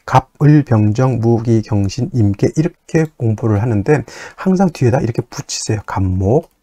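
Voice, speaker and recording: A man teaching an astrology lesson in a patient lecture style, repeating terms one by one and often pausing with fillers. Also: medium pitch, warm tone, no echo. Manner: patient, repetitive drilling with frequent fillers.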